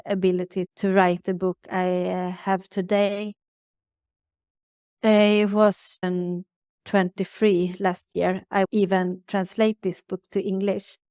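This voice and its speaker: A Swedish woman in her thirties, a native Swedish speaker, talks haltingly in English as an interview guest, searching for words. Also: mid-range voice, a little mellow, smooth, no echo, studio quality. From Sweden. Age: 30s. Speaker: guest, spiritual advisor. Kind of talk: conversational interview.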